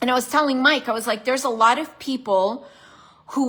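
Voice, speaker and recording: A woman speaks in a high pitch with an animated tone. Her pace is moderate and her pitch variation ordinary. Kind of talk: live stream commentary. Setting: social media live video.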